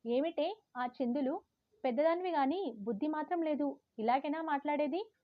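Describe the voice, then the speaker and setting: A stern old grandmother lecturing in a raised, slightly high voice, as a woman reads her part. The sound is dry and a little dull, like a plain home recording. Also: normal speed, dry recording, lightly acted. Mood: scolding. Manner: scolding, lecturing.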